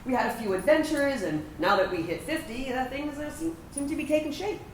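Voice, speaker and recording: A woman's voice: high-pitched, animated, brisk. A woman performing a staged monologue as a reflective trans veteran around fifty, recorded in a room. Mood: hopeful, reflective. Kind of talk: theatrical dramatic monologue reading. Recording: echoey, distant mic, hissy room noise.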